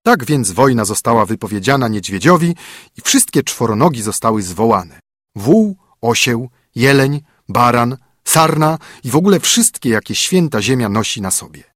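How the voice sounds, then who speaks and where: A man reading a fairy tale aloud for a children's radio program, with an expressive delivery. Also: mid-range voice, slightly rough, no room sound, studio quality. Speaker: storyteller.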